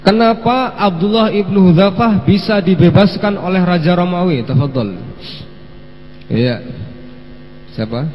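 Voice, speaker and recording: A man hosting a live-streamed children's story lesson, gently coaxing the kids to answer and sprinkling in Arabic phrases. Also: sits high, a little slow, pauses often. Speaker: children's religious teacher and host. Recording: long hall reverb with faint mains hum.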